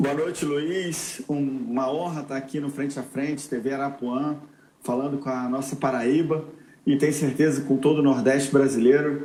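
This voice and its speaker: A man with a Rio de Janeiro accent and fairly high pitch at a moderate pace, fairly even intonation, and audible room echo. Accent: carioca. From Rio de Janeiro, Brazil. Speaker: federal deputy, politician. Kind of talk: TV political interview.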